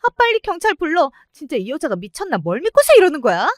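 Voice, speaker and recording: A high, shrill young bride-to-be voiced by a woman narrator in an audio drama story. She protests and pleads in indignant panic, pitched well above a normal voice. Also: wildly swooping pitch, fast talker, dry recording, studio quality. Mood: panicked, outraged.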